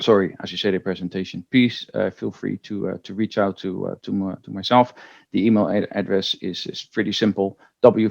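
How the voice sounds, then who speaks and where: A man with a Dutch accent speaks at a fairly quick pace, his fairly low voice showing vocal fry and fairly even intonation. His loudness swings widely, and the sound is dry and close with no echo against a quiet background. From Netherlands. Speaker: AI consultant. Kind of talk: business presentation. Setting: Zoom webinar. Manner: frequent filler hesitations.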